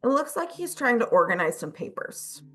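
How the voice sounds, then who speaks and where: A woman narrating as game master of a tabletop game, relaxed and hesitant, with many fillers. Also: on the high side, normal speed, soft background music.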